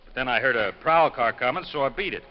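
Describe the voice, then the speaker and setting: An actor playing a rough, defensive working-class hood with blunt, slangy speech in a 1950s radio detective drama. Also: male voice, mid-range voice, fast, close to an everyday voice. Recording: dull, noisy old radio recording.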